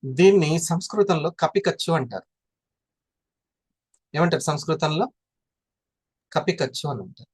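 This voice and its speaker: A man's voice: a little high, expressive, normal speed, long pauses, slightly rough, no echo. A man explaining in a classroom style, constantly asking his listeners questions. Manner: asks the audience questions often. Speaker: presenter explaining health products.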